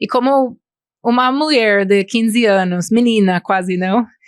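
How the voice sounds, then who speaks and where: A woman with an American accent at a medium pitch and fairly slow pace, in a very clean recording with a silent background and a dry, close sound with no echo. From Virginia, US, near Washington DC. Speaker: company founder and CEO. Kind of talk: interview. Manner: hesitant, many filler sounds.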